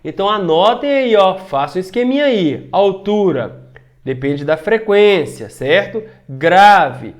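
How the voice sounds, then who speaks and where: A man from Brazil giving an online physics lesson, explaining step by step and often checking in with his students. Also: high voice. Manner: shifts loudness to demonstrate sounds. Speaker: physics teacher.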